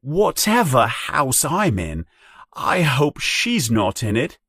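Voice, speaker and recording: A man's voice: medium pitch, sing-song, slow pace, fairly bright tone, husky, dry recording, clean studio sound, voice pushed up, heavily acted. A man voicing a friendly, slightly nervous young schoolboy in a storybook reading. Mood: earnest.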